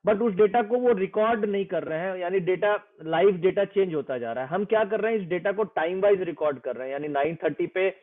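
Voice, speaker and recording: Man, trading explainer, interview, earnest, persuasive, mixes English phrases, slightly high voice, tinny phone-like audio. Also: a little fast, hardly any pauses. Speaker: trading expert explaining a method.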